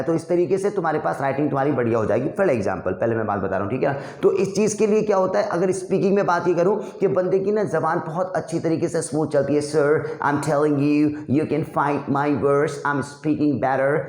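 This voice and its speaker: Male tutor with a slightly high voice, casual and chatty, drills phrases in a slow, repetitive way. Room echo. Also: darkish tone. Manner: drills practice sentences slowly and repeatedly; chatty, addresses viewers as brother and friend. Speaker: English speaking teacher. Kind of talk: casual spoken-English lesson in Hindi.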